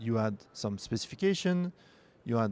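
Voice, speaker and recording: A man speaks at a medium pitch with a French accent. The recording is very clean, with a silent background. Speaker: tech company executive. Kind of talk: conference presentation.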